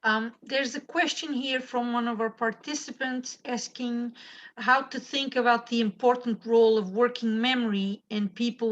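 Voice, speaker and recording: A woman's voice: fairly high pitch, muffled recording. A woman moderating an online conference, politely reading out an audience question. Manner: polite, reads from a prepared question.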